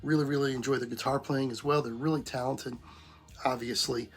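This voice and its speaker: A middle-aged man hosting a music reaction channel, talking casually with lots of ums, hoarse and losing his voice. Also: mid-range voice, brisk. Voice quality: husky. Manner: relaxed, repetitive, lots of ums.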